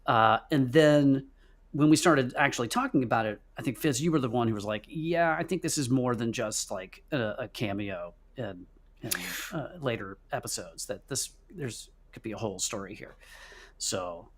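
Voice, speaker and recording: A man co-hosting a podcast in casual chat, halting and often correcting himself as he goes. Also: medium pitch. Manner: halting, self-correcting, hedging. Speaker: podcast co-host.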